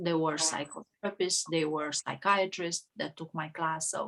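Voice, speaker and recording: In a Romanian accent, a woman speaks fairly slowly with fairly even intonation, her fairly low voice bright and sharp in tone. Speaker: hypnotherapist and teacher. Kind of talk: interview. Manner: halting.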